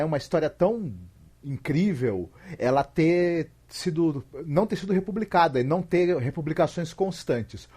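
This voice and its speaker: A Brazilian man in casual, explanatory podcast talk, repeating words and halting as he thinks. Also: on the high side, warm tone. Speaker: podcast guest giving recommendations.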